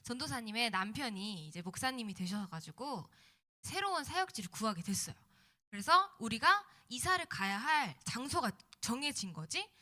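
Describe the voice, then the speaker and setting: High, bright-voiced woman preacher, slightly slurred after wisdom teeth. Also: big pitch swings, normal speed. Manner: conversational, checking in with young listeners. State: mouth swollen after wisdom tooth removal. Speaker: youth pastor preaching to middle schoolers. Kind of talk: sermon.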